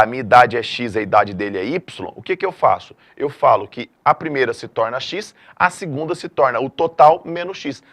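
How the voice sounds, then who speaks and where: A middle-aged man from Brazil giving a math video lesson, emphatic and lively, often checking in with the students. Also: mid-range voice. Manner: lively, emphatic classroom delivery with frequent checks like "tá?". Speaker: math teacher.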